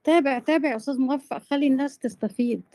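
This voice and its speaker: A woman's voice: high-pitched, racing, warm tone, no echo. A woman in her forties with an Egyptian accent in an informal live debate, insisting on being allowed to finish her points. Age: 40s.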